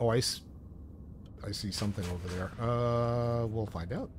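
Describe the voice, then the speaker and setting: A man's voice sits at a medium pitch, rising and falling in an ordinary way as he talks at a moderate pace. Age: 60s. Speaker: video game streamer. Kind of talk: casual gameplay commentary. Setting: live stream. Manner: casual with many filler words.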